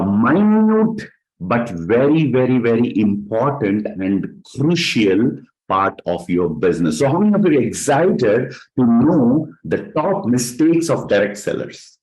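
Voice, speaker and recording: A direct-selling leader with a South Indian accent gives a motivational training talk, throwing rhetorical questions at listeners and repeating words for emphasis. His voice is medium-pitched with a darkish tone, and the audio is poor.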